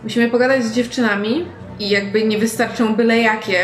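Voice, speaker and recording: A woman's voice: fairly high pitch, steady tone, brisk. A woman playing a tabletop role-playing game, casually talking through plans with the group. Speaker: tabletop RPG player. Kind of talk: casual in-game planning chat. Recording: roomy echo, music underneath.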